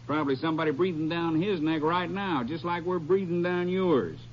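An actor playing a gloating, taunting outlaw prisoner in a 1950s radio western, sneering with folksy, mock-friendly menace. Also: male voice, on the high side, normal speed, natural voice. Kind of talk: 1950s old-time radio western acting. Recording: muffled vintage radio, faint hum.

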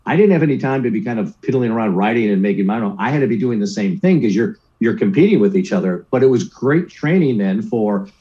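A man in his sixties tells stories from his career in a casual interview, mimicking the people he quotes. His voice is dark and mellow. The audio sounds a little muffled and lo-fi. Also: lowish voice, quick pace, hardly any pauses. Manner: lively anecdotes, acts out quoted voices, keeps asking "right?". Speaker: guest, sports broadcaster.

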